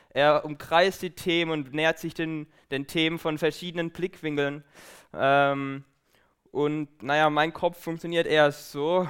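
Speaking with a Baden accent, a man uses a fairly high pitch, a fairly slow pace and a monotone, flat intonation. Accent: southern German (Baden). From Baden, southwest Germany. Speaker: lay preacher, student. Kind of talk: sermon. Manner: halting, many fillers.

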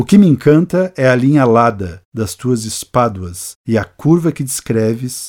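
A man speaks at a fairly slow pace and medium pitch, with very wide pitch swings. The recording is very clean, the background silent. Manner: animated, affectionate.

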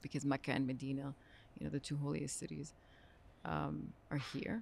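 A woman with an Arabic accent and a very deep, low pitch speaks with vocal fry at a moderate pace on a very clean recording with a silent background. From Saudi Arabia. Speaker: art curator and co-host. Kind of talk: casual chat. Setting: late-night podcast studio.

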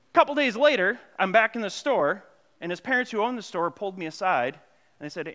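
Bright and sharp in tone, the voice swings very widely in pitch in a northern Minnesota accent. The background is quiet. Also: man. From Minnesota (Grand Marais, near Canadian border). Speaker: pastor. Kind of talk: sermon. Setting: church.

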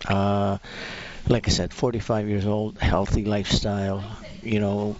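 A man speaks at a fairly low pitch. Noticeable background noise runs under his voice. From Philippines. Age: 60s. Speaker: heart patient and car dealership employee. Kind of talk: radio interview. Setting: hospital broadcast location. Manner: halting.

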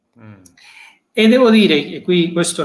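A man's speech moves at a medium speed, and his pitch varies in a typical way. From Argentina. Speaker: charity director. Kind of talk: interview.

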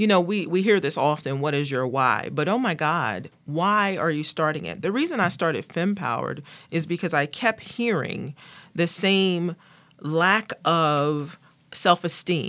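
A woman speaks at a fairly slow pace with a fairly low pitch, a bright, sharp tone, ordinary pitch variation and an American accent. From North Carolina and the Bronx, New York. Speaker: state police commander. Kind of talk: interview. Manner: animated.

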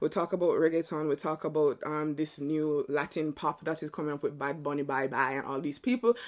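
A woman with a Jamaican accent speaks in a very deep, low pitch at a fairly quick pace. She hardly pauses, and the recording is very clean with a silent background. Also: ordinary pitch variation. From New York. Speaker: podcast co-host. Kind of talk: casual chat.

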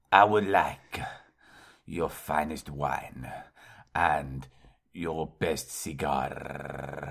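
A man's put-on character voice in a Latin American accent, very deep and low, at a very slow pace with long, frequent pauses.

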